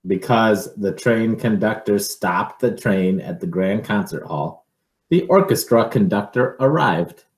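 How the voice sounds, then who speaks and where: A roomy, echoing recording of a man reading a children's picture book aloud. He takes it very slowly in a fairly low voice, expressive and measured, with informal asides to young listeners.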